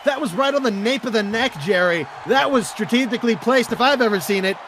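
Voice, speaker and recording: A man doing live wrestling play-by-play commentary in an excitable, dramatic manner. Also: very high-pitched, a little fast, a crowd in the background, noisy background.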